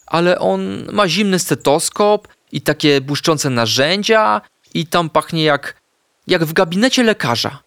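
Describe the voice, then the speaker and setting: A frightened little puppy pleads in a small, whiny voice that jumps high and low, as a man reading a children's story puts him on. The voice sits well above an adult's usual pitch. The sound is close and completely dry. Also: lively intonation, measured pace, vocal fry, a bit bright, dry recording, exaggerated voice. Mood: timid. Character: timid little male puppy, scared of doctors. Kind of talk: storybook character voice.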